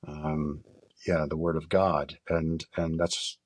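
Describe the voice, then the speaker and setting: A middle-aged American man from northern Minnesota talking reflectively as an interview guest, candid and halting in his delivery. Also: extremely low pitch, level tone. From northern Minnesota, United States. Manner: candid, halting, casually profane. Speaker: podcast guest, military veteran and survival instructor.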